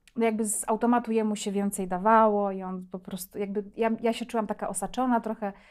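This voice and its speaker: A woman's fairly high voice, very fast with hardly any pauses, in a monotone, flat intonation over a quiet background. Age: 30s. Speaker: podcaster. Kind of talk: casual interview conversation. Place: studio. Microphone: lapel.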